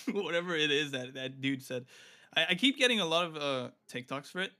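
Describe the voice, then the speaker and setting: Bright-voiced young guy teasing his friend. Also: a little high, expressive, moderate pace. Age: young adult. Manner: laughing, teasing banter. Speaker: guest co-player. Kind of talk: casual gaming chat.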